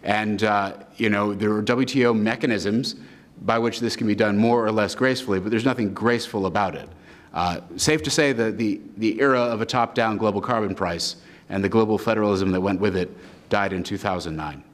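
Very deep-voiced panelist. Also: male voice, fairly quick. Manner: fluent, long explanatory sentences. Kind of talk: policy panel discussion.

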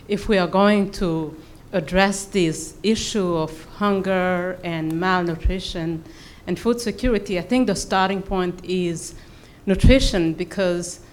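Low-pitched woman with a Burundian accent. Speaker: audience member asking a question. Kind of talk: spontaneous remarks at a public forum.

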